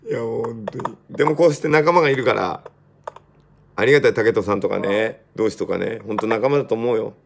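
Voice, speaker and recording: Man, casual live-stream host, gravelly, rapid, ribbing and bossy. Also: fairly low pitch, noisy background. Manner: teasing, pushy banter in rough casual speech. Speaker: show host.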